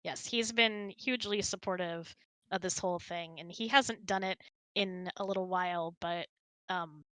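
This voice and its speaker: A woman's voice: lowish voice, normal speed, a bit bright, no room sound. A woman in her thirties, giggly and chatty, hosting a casual question-and-answer hangout. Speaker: host. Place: indoors, close and dry online voice hangout.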